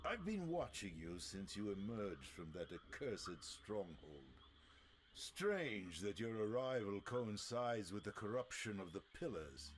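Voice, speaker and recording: A man's voice: fairly low pitch, big pitch swings, measured pace, slight background noise. An actor playing an ancient, world-weary and haughty male vampire in a video game, sardonic, bitter and theatrical. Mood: suspicious, probing. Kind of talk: video game cutscene acting.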